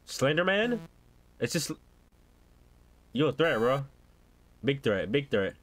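A man's voice: medium pitch, big pitch swings, slow pace, fairly bright tone, dry recording. A young American man doing casual, slangy game reaction commentary as a streamer, often exclaiming. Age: young adult. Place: indoor room at home.

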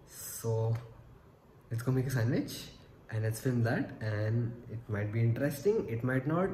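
A young man with a South Asian accent talks casually as a vlogger, mixing Hindi and English. His voice sits at an ordinary male pitch. The recording is echoey, with clear noise behind him. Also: warm tone. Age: young adult. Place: home rooms and a rooftop. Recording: roomy, echoey sound with background noise.

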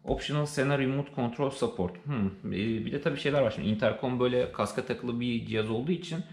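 A man's voice: mid-range voice, fast, creaky, a little mellow. A man with a Turkish accent giving casual, unscripted unboxing commentary, thinking aloud hesitantly as he goes. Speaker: unboxing presenter. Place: indoors, living room. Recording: roomy, echoey sound with faint noise.

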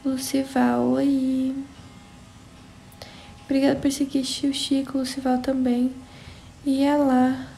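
A young São Paulo woman hosts a casual livestream from her phone, reading viewer comments and replying to people by name in São Paulo Portuguese. Her voice sits high but is dark, creaky and monotone, slow with frequent pauses, against slight background noise.

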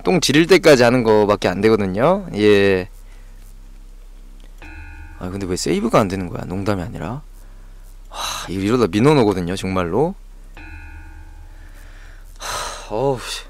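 A male game streamer giving frantic live commentary on a horror game, jumpy and swearing at the scares. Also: lowish voice.

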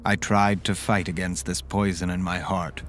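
Actor doing doomed guy narrating horror, deep grave voice, music behind. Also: flat delivery, moderate pace, natural voice. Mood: sad, fading. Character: doomed man recounting his death at a vampire's hands. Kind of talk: dramatic first-person horror narration.

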